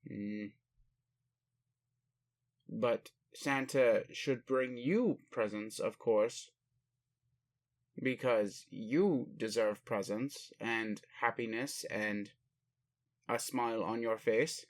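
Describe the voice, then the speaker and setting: An ancient alien father, acted by a man in a roleplay audio, talks at a slow, deliberate pace in a mid-range male voice. He phrases things formally and pauses often, doting on his human while puzzled by earthly ways. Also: mid-range voice. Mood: gentle, bemused. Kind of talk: roleplay audio addressed to the listener.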